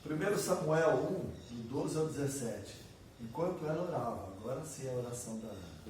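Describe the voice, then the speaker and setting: A man's voice: medium pitch, expressive, normal speed, darkish tone. A man with a Brazilian Portuguese accent preaching a conversational sermon, acting out sample prayers and asking the audience questions. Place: church hall. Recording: echoey room from far off, faint noise.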